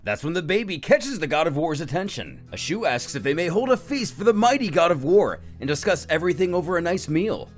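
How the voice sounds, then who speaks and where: A man's voice: fairly high pitch, big pitch swings, fairly quick, few pauses, soft background music. A man narrating a dramatic fan-fiction story in the present tense, as a scripted storyteller.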